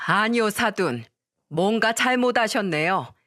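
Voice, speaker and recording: A woman's voice: medium pitch, animated, unhurried, a bit bright. A woman voicing a stern, protective older mother who talks firmly and scolds. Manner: firm, scolding.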